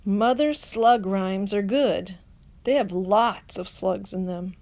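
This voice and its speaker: A woman teacher reads a children's picture book aloud at an unhurried pace. Her pitch sits in the middle, and her delivery is clear and patient. The rhymes come out in a gentle sing-song.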